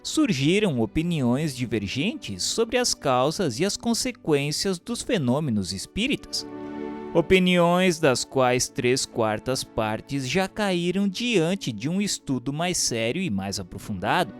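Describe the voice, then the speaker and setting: A man with a Brazilian accent reading a doctrinal book aloud as a narrator, in a formal, measured, didactic way. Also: fairly high pitch, big pitch swings, faint music behind. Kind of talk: scripted audiobook narration of a doctrinal text.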